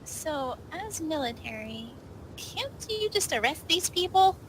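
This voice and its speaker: A woman's voice: high-pitched, very animated, slow, slight background noise, rough recording. A woman chatting casually as she improvises as a player in a tabletop role-playing game.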